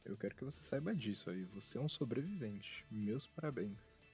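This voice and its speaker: This Brazilian podcast host has a mid-range, slightly mellow, husky voice with lively intonation and a normal pace. He jokes around about anime in a casual, self-deprecating, wry style. Music plays under the dull, lo-fi audio.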